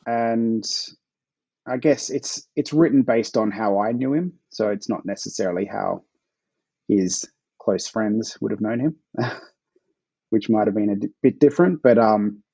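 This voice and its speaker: A man's voice: fairly low pitch, unhurried, warm tone, husky, no echo, highs cut off. An Australian man being interviewed as a guest author, answering in a laid-back way with frequent chuckles.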